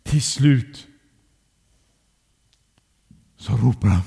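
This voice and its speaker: A man telling a children's story aloud in a lively way, speaking directly to young listeners. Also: mid-range voice, creaky, husky, big-room sound.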